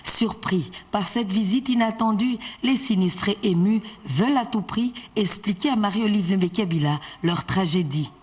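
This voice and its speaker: A woman reading a formal news report as a voice-over, steady and even. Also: medium pitch, normal speed, hardly any pauses, a little hiss or hum.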